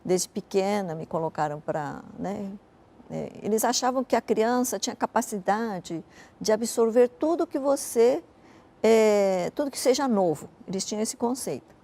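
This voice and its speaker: Reflecting on her life during an interview, an older Japanese businesswoman, a native speaker raised in Japan, talks conversationally at a normal speed. Her medium-pitched voice is mellow yet animated, and her storytelling is full of "né" tags.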